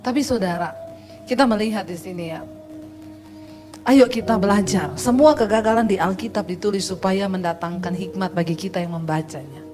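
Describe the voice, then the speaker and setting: A middle-aged woman pastor giving a lively sermon, telling stories with humor. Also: mid-range voice, moderate pace, over music. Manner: lively preaching with storytelling and humor.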